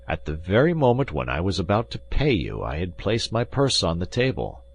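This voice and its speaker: A man's voice: low-pitched, big pitch swings, normal speed, a little hiss or hum. A man voicing a proud, hard-drinking musketeer who talks in a commanding, dry and ironic way. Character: world-weary drinking male musketeer, proud and sardonic. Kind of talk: audiobook character reading.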